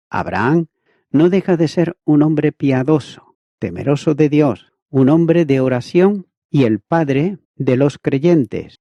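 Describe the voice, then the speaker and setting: A man reading an expository Bible commentary in a measured, methodical way, as if teaching from a prepared text. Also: medium pitch, warm tone, dry recording. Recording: dull, lo-fi, dry recording.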